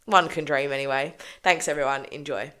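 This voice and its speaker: Aussie lady with a bad cold, sounds nasally and stuffed up, low smooth voice, chatty with lots of ums. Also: fairly even intonation, a little fast. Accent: Australian. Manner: warm, grateful, many ums. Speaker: fan channel host. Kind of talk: casual fan show chat.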